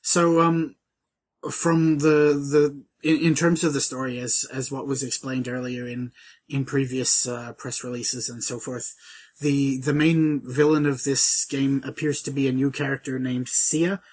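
A man's voice: medium pitch, little pitch movement, a little mellow, husky. A man co-hosting a podcast, chatting casually about a video game with hesitant restarts. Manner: hesitant, many restarts, measured. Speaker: podcast co-host.

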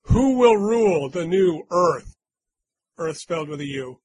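A man running a podcast quiz show, reading out clues with a teasing, playful delivery and little humming jingles. His voice sits a touch high and has a husky edge. The sound is close and dry. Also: animated, unhurried, darkish tone, no echo, rough recording. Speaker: quiz host.

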